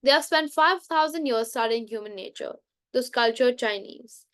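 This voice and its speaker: A woman's voice: fairly high pitch, a bit bright, no room sound, studio quality. A woman reading a book aloud at bedtime, often restarting and correcting words, with an occasional cough. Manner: halting reading with frequent restarts and self-corrections. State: coughing now and then. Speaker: book reader.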